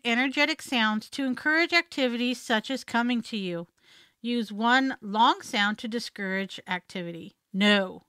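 A woman's voice: on the high side, sharp tone, clear, resonant tone, no echo. A woman hosting a podcast, reading scripted tips in an instructive way on a close studio mic. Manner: instructive, demonstrates commands with voice. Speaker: podcast host. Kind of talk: scripted narration.

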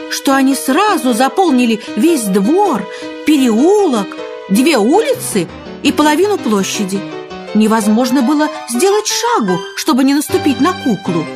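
A woman reads a children's fairy tale in a high voice with wide, swooping intonation. Her storytelling is expressive and dramatic, and music plays behind her. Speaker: narrator.

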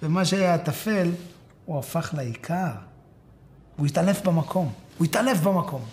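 A man preaches in a high, lively voice, acting out a story and turning to his listeners in direct address. His delivery is animated throughout the sermon.

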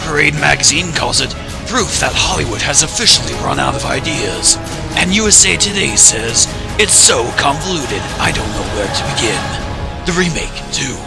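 A man playing a bombastic, gravelly movie trailer announcer in a parody voice-over. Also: on the high side, sing-song, moderate pace. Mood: bombastic, dramatic. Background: loud music.

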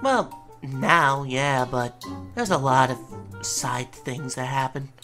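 A woman's voice: a bass voice, slow pace, a bit bright, faint music behind, heavily acted. A woman voicing a brash, flirty gay male demon sex worker with a mobster past, sassy and slangy, in a comic dub. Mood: candid, wry. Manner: sassy, slangy, sugary pet names.

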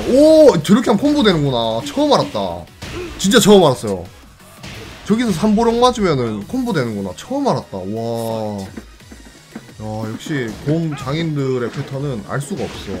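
A man calls his own fighting game match live, mocking himself and yelping at surprises. His voice sits a little high and swings widely in pitch. Game music plays clearly behind him. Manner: excitable, self-mocking play-by-play with sudden yelps. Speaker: game streamer.

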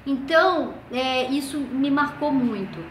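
An older woman with a Brazilian accent, casually telling family stories and often trailing off into soft, low asides. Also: a little slow, background noise. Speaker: vlogger. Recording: echoey room with faint ambience.

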